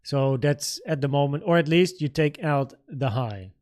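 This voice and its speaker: Higher-pitched Dutch man livestreaming. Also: expressive, moderate pace, darkish tone. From the Netherlands. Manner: informal, thinking aloud, reading out viewer comments. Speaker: trading livestream host. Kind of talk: casual livestream Q&A and market commentary.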